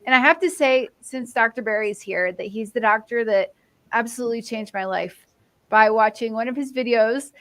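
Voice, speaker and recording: A woman's voice: on the high side, fairly bright tone. A woman giving a casual fundraising update on a live stream, bubbly and giggly, with many fillers. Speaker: fundraising organizer.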